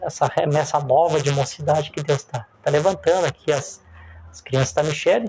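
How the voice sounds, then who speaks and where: Here a man speaks at a moderate pace. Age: 40s. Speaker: pastor. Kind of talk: sermon.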